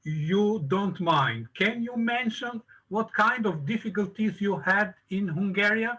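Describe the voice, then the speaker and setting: A man hosting an online video-call interview, with a high and bright but husky voice. He speaks slowly, in broken, halting phrases. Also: lively intonation, low-quality recording. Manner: slow, broken phrasing, non-native. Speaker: interview host.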